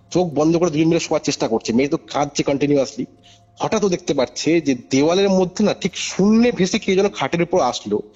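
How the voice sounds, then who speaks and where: A man with a high, darkish voice and a breathy edge calls in to describe a paranormal case. Recorded as a muffled phone call with music underneath, his storytelling is lively and casual, emphatic, repetitive, and punctuated by checks that the listener follows.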